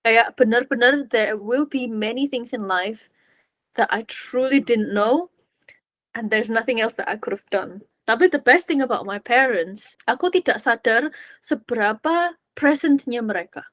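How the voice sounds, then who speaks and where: A woman's voice: fairly high pitch, expressive, measured pace, fairly bright tone, dry recording. A young woman hosting a podcast, talking through personal stories in a casual, reflective way, slipping English phrases in and laughing often. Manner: mixes English phrases freely, laughs often, acts out voices. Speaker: podcast host.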